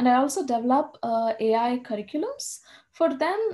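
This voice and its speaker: A woman's fairly high-pitched, a normal speaking voice at a moderate pace over a quiet background. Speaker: AI instructor. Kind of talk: teacher training webinar. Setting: video call with screen sharing.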